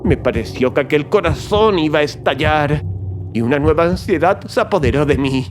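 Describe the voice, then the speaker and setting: Man acting a wildly expressive deranged murderer. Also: fairly high pitch, noisy background, lightly acted. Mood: feverish, agitated. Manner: theatrical, erratic swings, drawn-out emphatic words. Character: nervous, gleeful, mad male murderer confessing his crime. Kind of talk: dramatic horror audiobook narration. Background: music.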